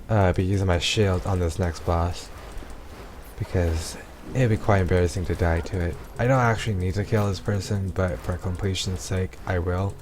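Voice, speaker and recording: A man with a low voice talks through his gameplay in a loose, rambling way, often restarting his sentences. His voice is going hoarse, and faint noise sits under the recording. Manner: rambling, frequent ums and restarts. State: losing his voice. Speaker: gameplay commentator. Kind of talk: casual let's-play commentary.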